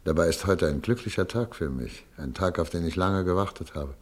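A man acting in a German radio play as a weary, dignified émigré doctor, grave, deliberate and melancholy. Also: sits low, breathy edge. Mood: wistful.

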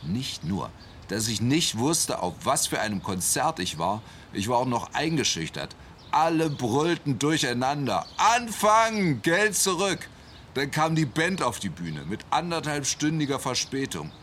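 A man's voice: medium pitch, sing-song, unhurried, a bit bright, a little hiss or hum. An actor playing a plain-spoken man who candidly recalls his bewildering first rock concert as a teenager in a radio play. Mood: candid, bemused. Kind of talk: German radio play monologue. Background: music.

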